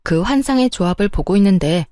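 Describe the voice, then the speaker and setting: A woman tells a scripted first-person story with indignation and sarcasm. Her voice is mellow and dark, at a middle pitch, recorded close and dry. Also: animated, fairly quick, no echo. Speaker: narrator.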